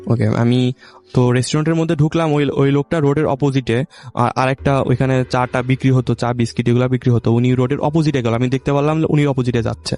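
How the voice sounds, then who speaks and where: A man's voice: medium pitch, steady tone, a little mellow. A young man from Bangladesh telling a true ghost story in casual speech, stumbling and restarting often. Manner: halting, with many restarts and self-corrections.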